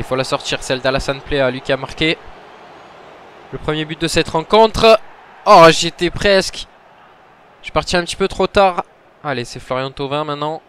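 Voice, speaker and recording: A man commentating his own football video game match, muttering between plays and shouting when goals go in. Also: medium pitch, slight background noise. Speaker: gaming commentator.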